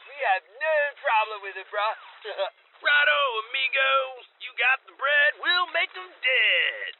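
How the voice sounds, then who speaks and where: An actor playing a laid-back, goofy hired raider in an audio drama, drawling cheerful stoner slang. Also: male voice, very high-pitched, big pitch swings, unhurried, exaggerated voice. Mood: lazy, amused. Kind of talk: full-cast audio drama acting. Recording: tinny phone-like broadcast with faint noise.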